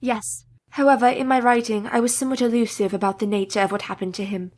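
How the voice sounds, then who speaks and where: An actress in a radio play playing a devoted, capable young wife who speaks in a polite, earnest and formal way. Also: female voice, on the high side, steady tone, fast talker, close to an everyday voice.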